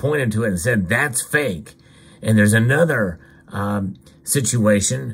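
A man with a fairly low, somewhat breathy voice speaks at a moderate pace with lively intonation. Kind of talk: casual show-and-tell commentary. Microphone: phone near.

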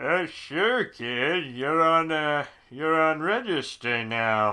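Speaking at a very slow pace, a man uses a put-on character voice with fairly high pitch and lively intonation. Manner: gruff, impatient.

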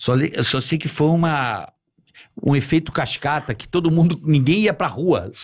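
A man speaks in an animated tone with vocal fry against a quiet background. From São Gonçalo, Rio de Janeiro state; Rio de Janeiro state. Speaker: podcast host. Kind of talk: casual chat. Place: studio. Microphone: studio mic.

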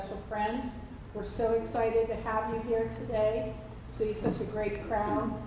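A woman at a moderate pace, with noticeable background noise and strong room echo. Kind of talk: welcome speech. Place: hall.

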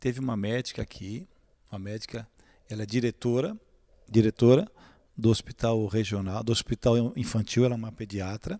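A man with a dark, mellow tone and fairly even intonation, at a moderate pace with long, frequent pauses, against a quiet background. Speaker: TV talk show host. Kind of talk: live TV talk show. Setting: TV studio. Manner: repetitive, halting. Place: studio. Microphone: handheld.

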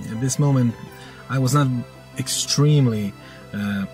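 A man talks with a non-native accent. Music plays in the background. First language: not English. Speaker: 3D modeler. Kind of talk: unscripted tutorial commentary. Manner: hesitant, many fillers.

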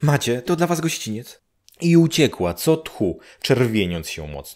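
The recording is very clean with a silent background. A man with a warm, gentle tone lets his pitch swing very widely. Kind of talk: audiobook narration of a 19th-century rural story. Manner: storytelling narrator, lightly ironic and warm, with a gentle humorous tone.

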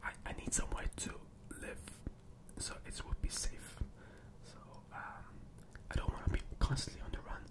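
A soft-spoken man talks at a moderate pace. Loud background noise runs behind him. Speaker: streamer. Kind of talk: casual stream chat. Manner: soft, close-miked ASMR speaking. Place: home room. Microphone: studio mic.

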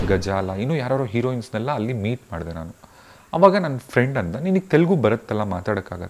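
A man speaks with very wide pitch swings and big swings in loudness. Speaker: radio jockey. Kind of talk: interview answer. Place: home room.

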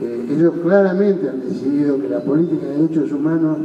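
A man speaks at a fairly quick clip. The room's echo is clearly audible around him. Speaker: speaker. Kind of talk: political speech. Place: hall.

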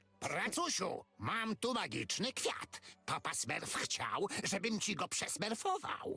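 In a put-on character voice, a man speaks high for a man at a fairly slow pace with hardly any pauses, lively intonation and very even loudness, in a dry, close sound with no echo. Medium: video game.

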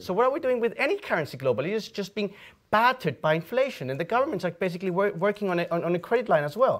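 A man's high voice at a very fast pace, with very wide pitch swings. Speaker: business executive; company chief executive on a panel. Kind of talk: conference panel talk. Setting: stage with audience. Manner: fast talker; animated. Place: studio.

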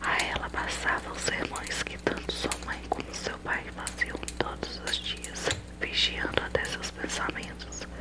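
Whispering, a woman speaks at a fairly slow pace. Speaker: ASMR reader. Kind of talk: ASMR novel reading. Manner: whispered. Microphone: studio mic.

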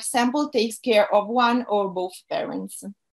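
A woman speaks in an Italian accent. Her high voice has ordinary pitch variation. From Italy, Milan. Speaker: psychologist. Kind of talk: conference presentation. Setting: video call. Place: home room.

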